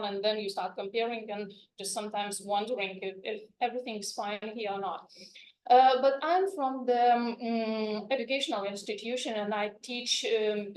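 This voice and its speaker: A woman from Lithuania, a native Lithuanian speaker and language educator, giving a chatty, informal conference talk full of "you know" fillers. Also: fairly high pitch. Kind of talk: conference presentation. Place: conference room. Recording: echoey conference room.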